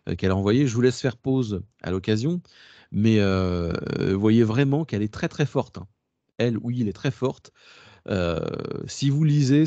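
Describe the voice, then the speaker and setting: A man's voice: mid-range voice, mellow, no echo. A man giving a casual workshop talk to a class, digressive, slangy and chatty. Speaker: workshop presenter. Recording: dull lo-fi dry recording.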